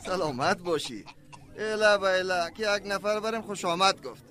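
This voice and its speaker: A man's voice: high voice, bright, forceful tone. An Afghan-accented male actor playing a fussy, irritable laboratory chief in a radio drama, curt and pompous. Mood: grudgingly softened.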